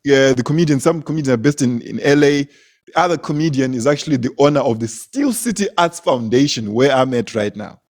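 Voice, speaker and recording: A man's voice: mid-range voice, expressive, a little fast. A young man from Zimbabwe, a comedian, telling stories in casual conversation, laughing often and repeating words as he goes. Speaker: comedian, guest.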